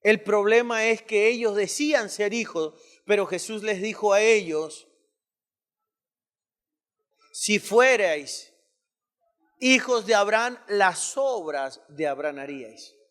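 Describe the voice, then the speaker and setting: A man preaching a sermon, calling on the congregation to repeat his words and reading scripture quickly. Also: sits high, fairly bright tone. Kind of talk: call-and-response sermon.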